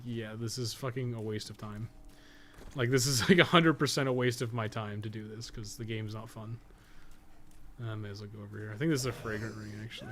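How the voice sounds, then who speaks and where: Slight background noise accompanies a man with a medium-pitched voice who talks loosely as he plays a game on stream. He answers viewers, wanders off topic, restates his points and swears casually.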